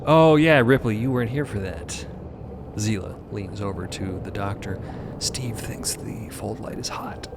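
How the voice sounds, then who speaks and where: A man's voice: lowish voice, a little slow, very noisy. A man giving wry scripted narration in an audio drama.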